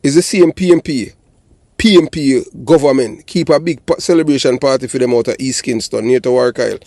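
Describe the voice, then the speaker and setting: A man's voice: mid-range voice, fairly quick, darkish tone, no room sound, studio quality. An older man with a Jamaican accent giving blunt, emphatic political commentary as a channel host, often checking that listeners follow. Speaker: channel host and commentator, former police officer.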